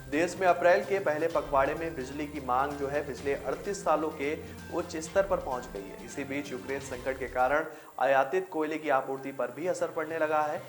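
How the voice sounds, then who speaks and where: A man reading a scripted news bulletin as the anchor, with music behind him. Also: fairly high pitch.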